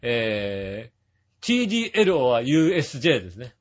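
A man's voice: medium pitch, very animated, normal speed. A man co-hosting a casual talk show, chiming in with short agreeing interjections and jokes. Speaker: co-host of a listener-mail talk show. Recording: dull, clearly noisy recording with clicks.

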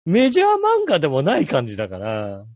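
A man's voice: a little high, huge pitch swings, brisk, a little mellow, no room sound, lo-fi sound. A man co-hosting a podcast, telling a rambling story in casual chat with many fillers. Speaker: podcast co-host.

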